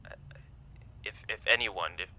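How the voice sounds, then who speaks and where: A man playing a guarded, halting small-town police officer on the phone in an audio drama. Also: fairly low pitch, lively intonation, gravelly, pushed and bright, exaggerated voice, rough recording. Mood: taken aback, guarded.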